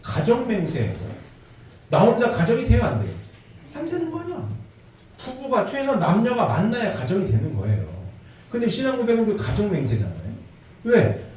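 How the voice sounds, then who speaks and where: A man's voice: high voice, huge pitch swings, fairly quick, a little mellow. A man preaching a sermon in a church, asking his listeners rhetorical questions. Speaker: pastor. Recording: echoey room, faint background noise.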